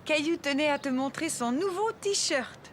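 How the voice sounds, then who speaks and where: An actress playing a gentle, caring young mother in a children's cartoon, speaking encouragingly. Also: high voice, normal speed, a little hiss or hum, natural voice. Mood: upbeat. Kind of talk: French-language children's cartoon dialogue.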